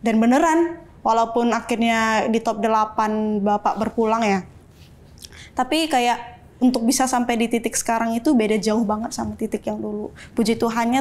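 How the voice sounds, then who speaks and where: A woman's voice: a little high, fairly quick. A young woman from Medan with a Batak accent, talking earnestly and expressively as a podcast guest. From Medan, North Sumatra. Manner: earnest, expressive, laughs easily. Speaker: guest singer. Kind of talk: casual podcast chat.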